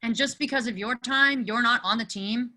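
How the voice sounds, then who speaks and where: A woman's voice: on the high side, normal speed, sharp tone. A woman playing an earnest, lovelorn teenage boy in a comic screenplay table read. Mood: indignant.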